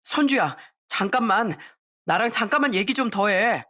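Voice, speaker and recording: A woman's voice: medium pitch, animated, normal speed, bright, forceful tone. Shallow young man, smug and dismissive, voiced lightly by a woman narrator. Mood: pleading.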